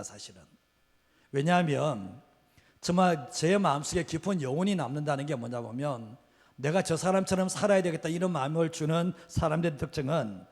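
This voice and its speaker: A middle-aged man preaching a sermon as pastor, earnest and repetitive, his sentence ends often trailing off quietly. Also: on the high side. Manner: earnest, repeats key phrases, trails off at line ends. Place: church sanctuary. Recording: long hall reverb.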